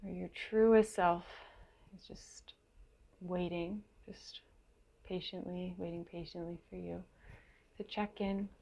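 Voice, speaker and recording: A woman leading a guided meditation in a gentle, unhurried way, leaving long pauses between short phrases, with a creaky voice. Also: lowish voice, flat delivery. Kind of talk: guided meditation, slow and soothing.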